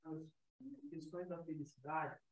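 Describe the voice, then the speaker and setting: A man's voice: fairly high pitch, very animated, slow pace, gravelly, slight background noise. Thoughtful man in an echoey room. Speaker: audience participant. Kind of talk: reflective answer in a discussion. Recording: roomy echo.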